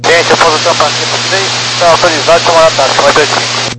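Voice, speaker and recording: A man's voice: fairly high pitch, flat delivery, racing. A man with a Brazilian accent giving clipped readbacks as a pilot over aviation radio. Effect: aviation radio transmission. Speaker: airline pilot. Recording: noisy cockpit radio transmission.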